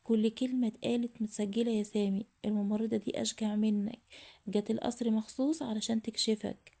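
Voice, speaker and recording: A woman's voice: a little high, steady tone, a little fast, vocal fry, warm tone. A woman with an Egyptian accent reading the lines of a stern male police officer in a firm, declaring tone. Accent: Egyptian Arabic.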